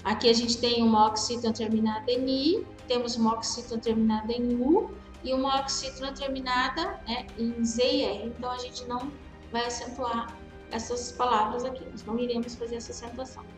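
Brazilian lady teacher going over grammar, slightly high voice, echoey room, faint music behind. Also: flat delivery. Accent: Brazilian Portuguese. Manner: patient, drawn-out spelling of examples, calls students dear. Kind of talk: recorded grammar review lesson. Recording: roomy echo with faint music.

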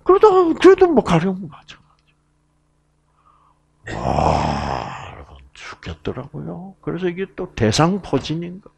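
Here the middle-aged Gyeongsang lecturer's gravelly, husky voice runs a little high, with huge swings in pitch and a darkish tone. He takes his time, chatting through a relaxed Bible talk full of anecdotes, fillers and asides.

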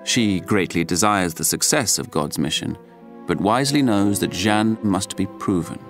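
An actor playing a reflective storyteller at a medieval French court, narrating an audio drama in a measured, wry, descriptive way. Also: male voice, low voice, close to an everyday voice. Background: music.

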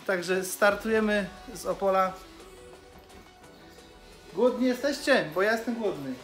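A man's voice: high voice, expressive, a little slow, a bit bright. A man in his thirties from Poland, chatting casually and jokily to camera as a vlog host on a handheld phone. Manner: jokey, informal. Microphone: phone at arm's length. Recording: handheld phone with music underneath. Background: music.

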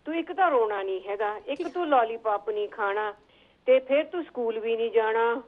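A woman's voice: on the high side, lively intonation, brisk. A woman calling in by phone, teasing and playfully bargaining in casual chat. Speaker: phone-in caller. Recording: tinny phone line.

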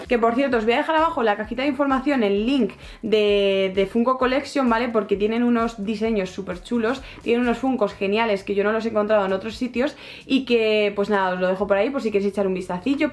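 Young woman, higher voice, gushing, repetitive, excited unboxing chat. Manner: gushing, repeats herself, squeals with delight. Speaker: book and collectibles vlogger.

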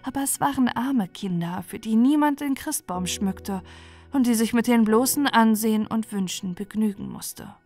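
A woman's voice: fairly high pitch, normal speed, a little mellow. A woman narrating a bedtime fairy tale as a storyteller. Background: music.

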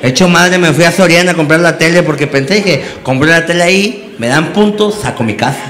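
A man's voice: on the high side, brisk, a bit bright, some chatter behind. A man with a Mexican accent doing a stand-up comedy monologue, brash and slangy, acting out his story. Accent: Mexican Spanish. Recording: echoey room with background noise.

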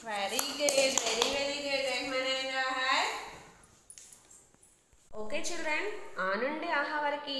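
A woman's voice: sits high, fairly even intonation, slow pace, pauses often, pushed and bright. A woman teacher from India leading a letter lesson for young children, coaxing them with questions. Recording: echoey room.

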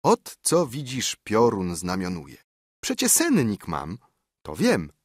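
A man's voice: on the low side, huge pitch swings, slow, dry recording, studio quality, full character voice. A man voicing an old widowed mother who soothes her frightened son in a coaxing, sing-song way. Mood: soothing.

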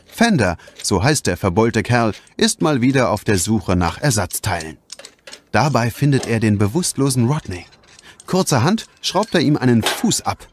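A man's voice: medium pitch, slight background noise. A man narrating a scripted children's story in a dramatic storytelling manner.

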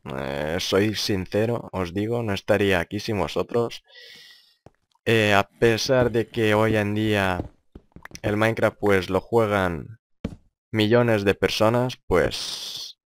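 A man's voice: slow, clear, resonant tone. A young man with a grave voice, improvising casual gameplay commentary in a serious, rambling way and often repeating himself. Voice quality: deep, grave voice. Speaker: gaming video creator.

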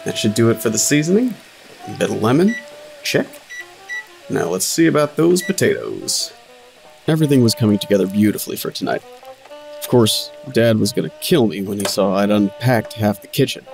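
An actor playing an upbeat young son who narrates an audio drama in a chatty, playful way. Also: male voice, lowish voice, sing-song, normal speed, gravelly, a little mellow, soft background music, rough recording. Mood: upbeat, wry. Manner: talks to himself, playful. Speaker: narrator and character.

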